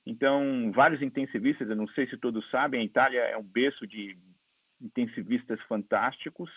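Gravelly Brazilian Portuguese man explaining. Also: medium pitch, steady tone, a little fast, no echo. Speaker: guest medical expert and presenter. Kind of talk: explanatory online lecture, conversational. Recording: dry, slightly dull online audio.

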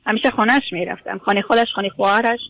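A woman calls in to a radio advice show, her voice mid-pitched and dry. She talks haltingly, full of fillers, dropping in English words. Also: fairly bright tone, no echo, low-quality recording. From Afghanistan. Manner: hesitant, many fillers, mixes in English words. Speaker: caller.

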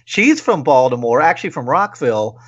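A man's voice: mid-range voice, very animated, fairly quick, a bit bright, slightly rough. An American man hosting a casual podcast interview, talking with enthusiasm and easy swearing. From Maryland, USA. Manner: profane, enthusiastic talker. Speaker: podcast host. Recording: dull lo-fi audio.

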